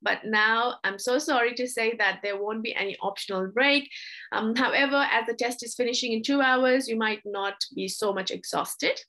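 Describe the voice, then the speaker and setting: A young adult woman tutor explaining test changes in a casual, chatty way, often apologizing and filling pauses. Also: on the high side, bright, forceful tone. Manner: chatty, apologetic, with frequent fillers.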